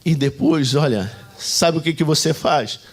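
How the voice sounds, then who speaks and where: A Brazilian man preaching a Sunday sermon, telling stories and acting out shouts and prayers as he goes. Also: fairly high pitch, a little slow. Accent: Brazilian Portuguese. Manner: animated storytelling, acting out shouts and quoted prayers. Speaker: pastor.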